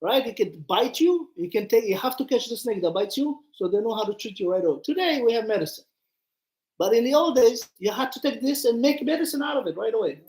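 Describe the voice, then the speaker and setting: A man's voice: very high voice, animated, brisk, a little mellow. Male rabbi, conversational storyteller giving an informal religious class, questioning listeners, recorded in an echoey room. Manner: conversational, acts out dialogue, puts questions to listeners. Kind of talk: informal Torah lesson with storytelling.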